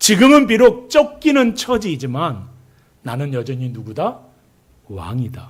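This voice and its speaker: In a Chungcheong accent, a man with a fairly high, somewhat breathy voice speaks at a fairly slow pace with an animated tone, very wide pitch swings, and long, frequent pauses. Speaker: pastor. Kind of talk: sermon.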